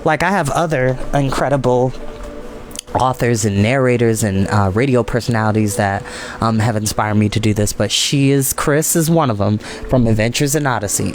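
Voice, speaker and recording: Man, storytime host, mid-range voice, chatty storytelling, background noise in the recording. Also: mid-range voice. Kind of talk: casual chat and read-aloud storytelling.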